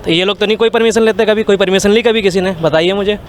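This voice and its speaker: A man talks quickly in a high voice during a street interview. He repeats phrases as he argues his point outdoors. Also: fairly even intonation. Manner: repetitive, tumbling phrases. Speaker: member of the public being interviewed. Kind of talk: spontaneous street opinion.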